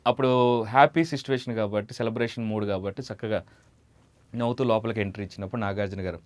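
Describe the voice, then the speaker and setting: A man's voice: lowish voice, fairly even intonation, fast, darkish tone, dry recording. A man speaking as a guest mimicry artist, telling anecdotes in a conversational interview style.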